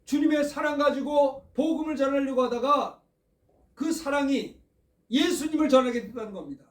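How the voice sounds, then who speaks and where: Man, pastor, sunday sermon, very high voice, echoey room. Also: normal speed, distant mic. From Seoul. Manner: preaching with rhetorical questions to the congregation. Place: church sanctuary.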